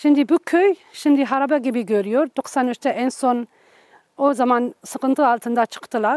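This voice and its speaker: A woman speaks at a moderate pace with a non-native accent, her pitch high and its variation ordinary. The sound is dry and close, with no echo. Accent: non-native Turkish, weak. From southeastern Turkey, Midyat area village. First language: Aramaic (Syriac) (speaking Turkish). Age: 50s. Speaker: nun. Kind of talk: personal storytelling interview. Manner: halting, many self-corrections.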